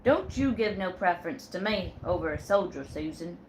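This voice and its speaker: A woman voicing a jealous male sailor who talks in blunt, loud nautical slang. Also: lowish voice, lively intonation, moderate pace, slight background noise, close to an everyday voice, poor audio. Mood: blustering. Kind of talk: read-aloud storytelling.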